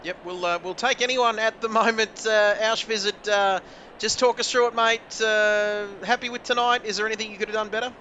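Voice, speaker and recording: A man's voice: sits high, steady tone, moderate pace, pushed and bright, muffled recording, a little hiss or hum. A man hosting post-race driver interviews in a chatty, joking way with lots of fillers. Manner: chatty, jokey, many fillers.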